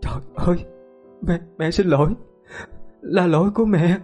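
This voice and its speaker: A man's voice: mid-range voice, normal speed, dark tone, breathy edge, soft background music, natural voice. A man voicing a grieving young village mother who stammers in distress. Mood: anguished.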